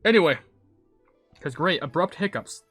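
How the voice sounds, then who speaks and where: A man's voice: on the high side, animated, moderate pace, a bit bright, slightly rough, no echo, soft background music. A man hosting a gaming video with casual, rambling, stammering commentary and playful asides.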